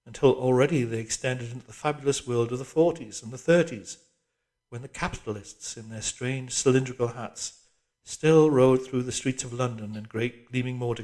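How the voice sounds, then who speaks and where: A man reading literary fiction as an audiobook narrator, measured and with dramatic emphasis. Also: medium pitch, darkish tone. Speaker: audiobook reader.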